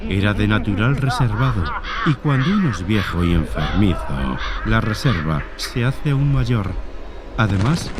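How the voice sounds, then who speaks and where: A man narrating a horror story as a scripted literary reading, in a measured storytelling manner. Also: medium pitch.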